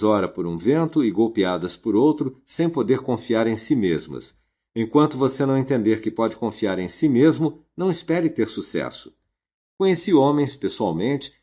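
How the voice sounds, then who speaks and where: A man reading a self-help audiobook in a steady, earnest narration. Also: medium pitch.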